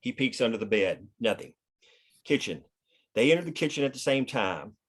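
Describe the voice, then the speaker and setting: Male narrator, mid-range pitch, reads scene headings and stage directions for a screenplay read. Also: expressive, normal speed, husky. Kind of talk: scripted narration of screenplay action.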